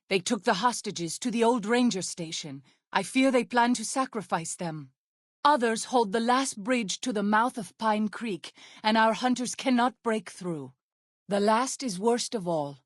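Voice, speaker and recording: Waking Cloud, a devout tribal healer, dry sound. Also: female voice, medium pitch, no echo. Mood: solemn, urgent. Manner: formal, measured, stilted phrasing with solemn reverence. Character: devout, earnest tribal midwife and healer woman, a mother. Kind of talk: video game character dialogue.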